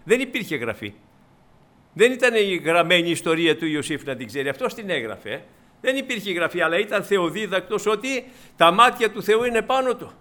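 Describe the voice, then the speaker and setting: In this sermon, a man's high-pitched, pushed and bright voice moves with lively intonation as he recounts a Bible story. He voices each character with changing tone and loudness, and he frequently addresses the congregation as brothers.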